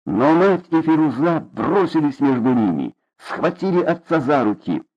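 A man's voice: fairly high pitch, very animated, normal speed. A man narrating a novel as an audiobook reader, reading expressively, on a dull lo-fi recording. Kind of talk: scripted narration.

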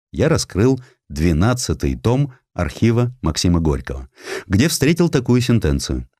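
A man narrating a literary historical essay as an audiobook, in an expressive, measured storytelling manner with dramatic emphasis. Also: fairly low pitch, no room sound, clean studio sound.

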